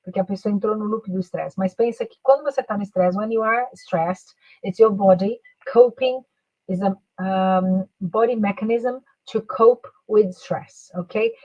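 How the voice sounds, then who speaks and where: A woman, giving a career coaching talk on a live stream and switching into slow English, with frequent "né" and "ok" tags. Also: medium pitch, mellow, no room sound, highs cut off. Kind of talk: live online talk, mixing Portuguese and English.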